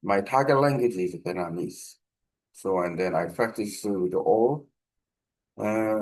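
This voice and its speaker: A man with a Korean accent, a native Korean speaker, explains a language practice project informally in halting, non-fluent English, often searching for words. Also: on the low side, rough recording.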